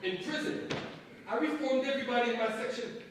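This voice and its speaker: High-voiced menacing young fanatic played by a man, echoey. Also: brisk. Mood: accusing. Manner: mock-polite, then bullying and threatening. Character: fanatical young male gunman menacing a professor. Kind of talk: dramatic staged reading. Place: theatre space at a staged reading. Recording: echoey hall, distant mic, faint noise.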